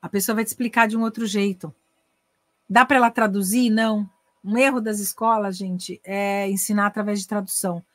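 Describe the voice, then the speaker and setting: A woman's voice: medium pitch, fairly even intonation, a little fast, no echo. A middle-aged woman with a Brazilian Portuguese accent, an English teacher and coach giving a casual online class. She acts out little dialogues and switches between Portuguese and English.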